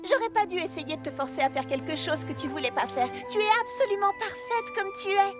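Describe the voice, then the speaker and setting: A woman voicing an eager, bossy, outgoing little girl in an animated cartoon dub, with an enthusiastic, exclamatory delivery. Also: extremely high pitch, brisk. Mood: apologetic, gentle. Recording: music under the dialogue.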